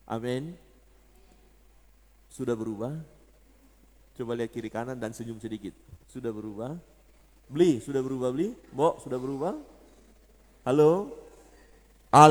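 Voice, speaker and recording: A man's voice: medium pitch, a little mellow. A man preaching a sermon, joking with the congregation and rising to emphatic peaks. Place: church. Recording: reverberant church hall.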